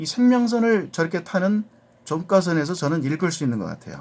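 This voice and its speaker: A man is speaking fairly quickly. The pitch of his voice swings very widely. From Daejeon, Chungcheong, South Korea. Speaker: stock trading tutorial creator. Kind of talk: tutorial; casual chat.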